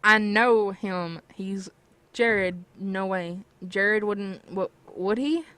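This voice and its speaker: A woman voicing a distressed young heroine in a story, quiet, halting and disbelieving. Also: mid-range voice. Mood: shocked, worried. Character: distressed young heroine seeking her baby sister.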